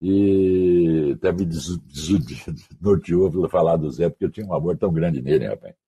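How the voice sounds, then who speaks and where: A man from Mato Grosso do Sul in Brazil, a radio announcer guest on an online call, telling slangy anecdotes with lively, acted-out quoted voices. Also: low voice, moderate pace, breathy edge. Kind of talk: casual storytelling.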